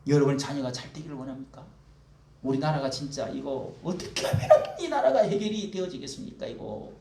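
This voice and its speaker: A man's voice: medium pitch, lively intonation, fairly quick, creaky, warm tone, slight background noise. A male pastor preaching a sermon in a church, rhetorical and often prodding the congregation. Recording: echoey room, mic at a distance.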